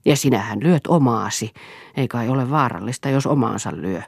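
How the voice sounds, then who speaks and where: A steadfast wife standing her ground, read by a woman in an audiobook. She speaks firmly and resolutely in a low, dry, close voice. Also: creaky, a little mellow, breathy edge, no room sound, full character voice. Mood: defiant. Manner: firm, resolute.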